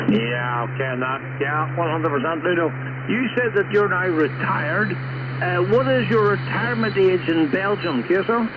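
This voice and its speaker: Speaking at a moderate pace with lively intonation, a man with a Northern Irish accent is heard over noticeable background noise and audible room echo. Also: fairly high pitch for a man. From Northern Ireland. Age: 60s. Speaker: amateur radio operator. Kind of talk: ham radio conversation. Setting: shortwave radio transmission.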